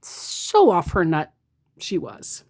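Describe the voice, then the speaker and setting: Sarcastic woman with a lively voice. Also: lowish voice, slow. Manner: sarcastic, mocking. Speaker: scam baiter. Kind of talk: casual vlog narration.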